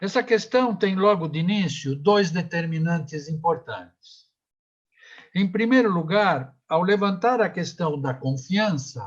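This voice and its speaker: Here a man speaks at a high pitch with lively intonation, in a Spanish accent. The background is quiet. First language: Spanish (speaking Portuguese). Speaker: philosophy professor. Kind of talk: lecture.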